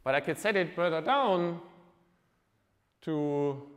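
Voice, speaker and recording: A male lecturer talks through his material in a loose, conversational way, dropping wry asides and correcting himself as he goes. His voice sits a little high for a man. The sound carries the long reverb of a large lecture hall. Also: slow pace. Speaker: university lecturer. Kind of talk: live university lecture.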